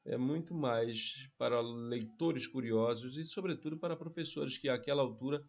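A man in his forties from Pará, Brazil, an author and literature researcher, casually presents his books to camera from his home study, speaking into a small desk mic in front of him. His mid-range voice moves at a moderate pace, chatty with frequent tag questions and warm asides, though the recording is muffled.

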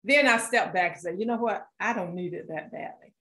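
Medium in pitch, brisk, pushed and bright, her voice rings with reverb. She is a Philadelphia art collector talking casually as an author-talk guest, chatty and quick to laugh, with frequent fillers and restarts.

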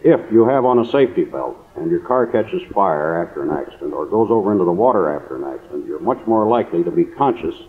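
A muffled, narrow-band 1950s radio recording of an American man with a deep voice. He explains things in a plain, orderly, formal way as an interview guest. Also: expressive, fast talker, few pauses. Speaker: guest surgeon. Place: convention hall radio interview.

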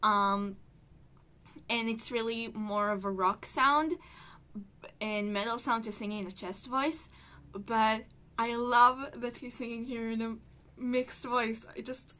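A woman's voice: on the high side, steady tone, slow pace, pushed and bright. A woman reacting to a song and explaining vocal technique like a voice teacher, with lots of filler words. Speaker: music reaction reviewer. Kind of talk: casual reaction commentary. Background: song playing faintly.

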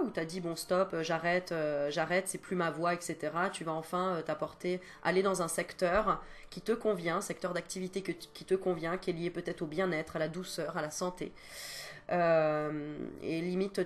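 French woman doing a card reading at home, chatty and reassuring, lots of ums and sighs, bit of a cough. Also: fairly low pitch. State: coughing now and then. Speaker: card reader and medium. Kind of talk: casual tarot-style reading to camera.

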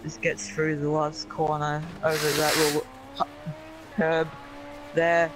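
Flat-voiced male race co-commentator. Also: fairly high pitch, measured pace, background noise. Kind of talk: sim racing stream commentary.

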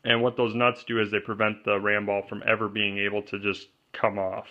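A man's voice: on the low side, level tone, a little fast, muffled recording. A man walking through a homemade camera pole build step by step, in a plainspoken way, pointing out each part. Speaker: DIY kayak gear presenter. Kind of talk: hands-on how-to walkthrough. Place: indoors at a wooden table. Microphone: off-camera voice over overhead shot of hands.

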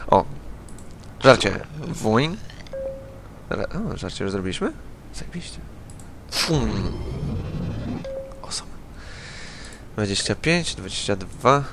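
A man's voice: lowish voice, gravelly, fairly bright tone, a little hiss or hum. A young man with a Polish accent giving sarcastic, profane let's-play commentary as he plays a game. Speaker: gaming YouTuber.

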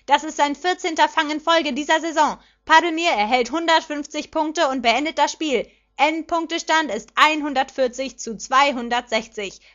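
Woman doing an excited male sports commentator. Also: on the high side, a little fast, hardly any pauses, dull audio, natural voice. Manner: excited play-by-play calling.

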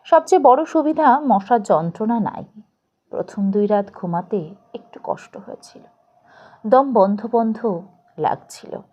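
A woman reading a literary story as an expressive audiobook narrator. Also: medium pitch, unhurried, muffled recording.

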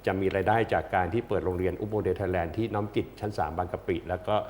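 A man in his sixties talks fast and freely as a guest in a casual interview, his voice sitting fairly low. He is chatty and keeps the words coming, with bursts of laughter. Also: fairly even intonation, darkish tone, a little hiss or hum. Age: 60s. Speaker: interview guest, acting school owner.

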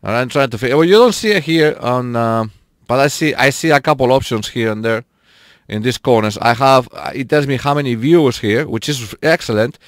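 A man's voice: medium pitch, a little fast, no echo, clean studio sound. A man live streaming a racing game, chatting casually with his viewers and laughing often. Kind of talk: casual live-stream chat while gaming.

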